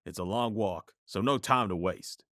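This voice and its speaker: An actor playing a calm, calculating man with a laid-back, unhurried manner in an audio drama. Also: fairly low pitch, dry recording, clean studio sound. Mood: brisk, casual. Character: Frankie, calm calculating man with manic cheer.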